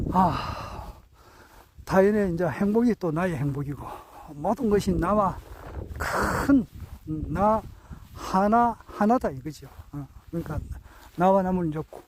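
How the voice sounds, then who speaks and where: A man in his sixties giving a reflective spoken talk, earnest and hesitant, with many drawn-out fillers and self-corrections. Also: sits high, noisy background. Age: 60s. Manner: earnest, self-correcting while counting out years. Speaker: speaker sharing reflections on his teachers.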